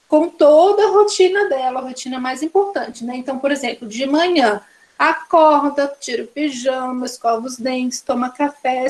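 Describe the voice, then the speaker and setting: Brazilian woman instructor, high bright voice, steady lecturing pace, rattles off examples in lists. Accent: Brazilian Portuguese. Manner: explains by listing examples one after another. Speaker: course instructor. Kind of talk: online course lecture.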